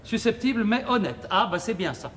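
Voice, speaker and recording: An actor playing a flustered, excitable man fussing over a date, stammering and muttering to himself on a theatre stage in a televised boulevard comedy. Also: high-pitched, fairly quick. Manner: stammering, fussy, talks to himself. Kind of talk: 1980s French boulevard stage comedy acting. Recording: hissy old television broadcast recording.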